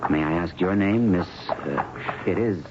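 An actor playing an earnest, friendly, awkward young doctor in a radio drama, talking in a hesitant, bumbling way. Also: male voice, low-pitched, a little slow. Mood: awkward, eager. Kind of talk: 1970s radio drama acting. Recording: dull, noisy old radio recording.

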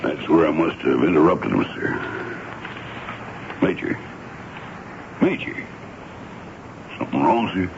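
Gravelly old-radio sergeant, dutiful n suspicious, really swingy delivery, noisy muffled recording. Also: male voice, a bass voice, animated, a little slow, long pauses, heavily acted. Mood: concerned. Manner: deferential, folksy, earnest. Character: dutiful, suspicious, rough-edged army sergeant. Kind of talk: 1970s radio drama acting. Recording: noisy, dull 1970s radio broadcast recording.

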